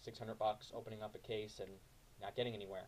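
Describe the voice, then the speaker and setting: At a very fast pace, a man speaks with medium pitch and monotone, flat intonation. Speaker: legal process educator. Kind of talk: tutorial. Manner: hesitant with many fillers.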